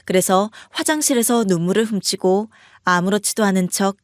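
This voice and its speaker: A woman's voice: mid-range voice, fairly quick, no echo, studio quality. A woman narrating a scripted first-person story in a confiding way.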